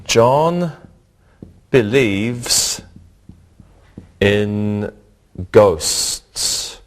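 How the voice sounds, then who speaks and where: Male lesson host, deep-ish voice, very slow, careful classroom delivery. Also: lively intonation. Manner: slow, carefully pronounced, repeats words for learners. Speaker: English teacher and host. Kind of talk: scripted language lesson.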